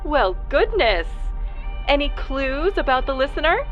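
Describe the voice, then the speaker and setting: A woman's voice: sits high, very animated, unhurried, dull audio, faint music behind. A woman playing an effusive, showy and playful female talk show host in a science-fiction audio roleplay.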